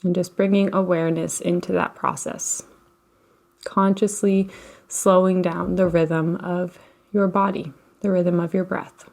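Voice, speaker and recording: A woman leading a guided relaxation as a meditation teacher, speaking in a gentle, unhurried, soothing way with long pauses. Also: on the low side, little pitch movement, gravelly. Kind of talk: guided meditation, slow instruction.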